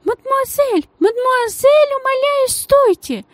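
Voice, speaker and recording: A portly society lady in a storybook, her voice thin and piping, pitched far above the narration and swooping all over as she gushes. Her manner is affected and sugary, with a venomous edge underneath, as a woman narrator puts her on. The sound is close and dry. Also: animated, unhurried, a little mellow, dry recording. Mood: desperate shrill. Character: stout genteel lady, shrill, saccharine then venomous.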